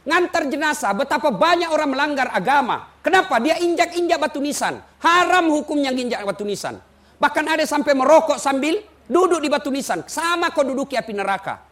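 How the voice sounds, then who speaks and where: Male preacher, very high voice, lively comic sermon delivery. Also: a little fast. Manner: animated storytelling, acting out quotes, shouting takbir. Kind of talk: humorous sermon to a congregation.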